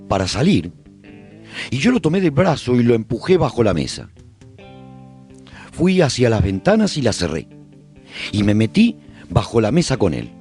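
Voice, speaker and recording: A man's voice: fairly low pitch, warm tone. A man playing a haunted, reflective survivor who chronicles the apocalypse in theatrical, emphatic first-person radio-serial narration.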